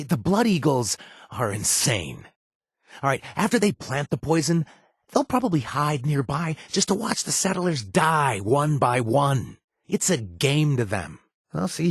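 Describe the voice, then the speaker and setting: A man's voice: lowish voice, slightly rough, no room sound, studio quality, heavily acted. An actor playing a young male ex-raider companion in a video game, sarcastic and emotional, swinging between jokes and remorse. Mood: wry. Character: young male ex-raider, guilt-ridden, wisecracking. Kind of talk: game voice acting.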